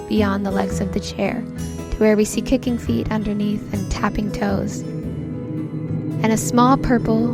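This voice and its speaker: A woman hosting as game master, narrating an improvised tabletop game. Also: mid-range voice. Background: background music.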